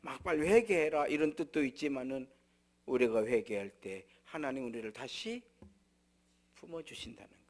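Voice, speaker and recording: A man preaching a sermon as pastor, swinging between loud exclaiming and soft near-whispers, sometimes acting out blunt scolding voices. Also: mid-range voice, expressive, normal speed. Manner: acts out blunt scolding voices in regional dialect. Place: church.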